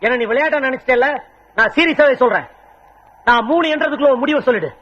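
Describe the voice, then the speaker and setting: A cheeky, brash young wooer. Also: male voice, extremely high pitch, background noise. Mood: boastful. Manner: fast, pleading, comic boasting. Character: brash, cheeky young man wooing a woman. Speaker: suitor. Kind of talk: Tamil film dialogue. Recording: dull old film soundtrack.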